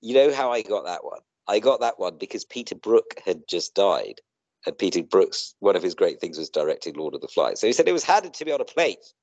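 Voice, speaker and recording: A middle-aged man chatting casually on a video call in a rambling, halting way that often circles back on itself. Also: sits low, sing-song, a little mellow, no room sound, lo-fi sound. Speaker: co-host in a two-person online chat. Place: indoor room, video call.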